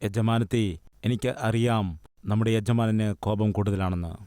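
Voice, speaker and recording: A man's voice: lowish voice, fairly even intonation, normal speed, mellow, clean tone, no room sound, close to an everyday voice. A man voicing an earnest, bold little servant girl who pleads with her mistress, acted within a sermon. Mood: pleading.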